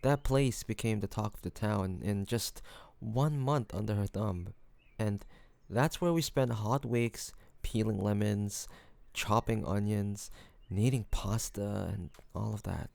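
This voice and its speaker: Gravelly, charming mafia boss, played by a man. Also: fairly low pitch, a little slow, no echo. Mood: wry, nostalgic. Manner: relaxed, playful storytelling with frequent soft chuckles. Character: charming, hospitable male mafia boss, family-minded and teasing. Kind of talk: intimate scripted audio roleplay, spoken to one listener.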